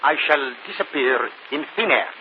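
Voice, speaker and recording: An actor playing a proud, formal stage magician in a vintage radio drama. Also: male voice, medium pitch, expressive, moderate pace, close to an everyday voice. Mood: grand. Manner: formal, stately speech without contractions. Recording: muffled vintage radio broadcast.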